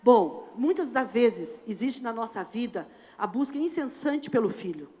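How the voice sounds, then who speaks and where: Pastora do sul do Brasil, voz aguda, pregação animada e coloquial. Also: female voice, a little high, unhurried. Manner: animated and conversational, often asks the audience "entendeu?". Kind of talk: sermon. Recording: long church reverb.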